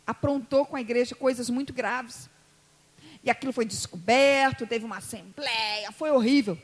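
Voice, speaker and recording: A woman pastor from Brazil, with a Brazilian Portuguese accent from Espírito Santo, preaching a sermon and telling stories, going from soft asides to loud emotional peaks. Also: a little high, moderate pace. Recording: long hall reverb.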